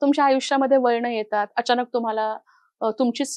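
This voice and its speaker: In a plain, everyday voice, a woman speaks at a fairly high pitch for a woman with fairly even intonation, against a quiet background with a dry, close sound with no echo. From Maharashtra, Vidarbha and Pune. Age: 50s. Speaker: social worker running an NGO. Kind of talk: interview. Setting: studio.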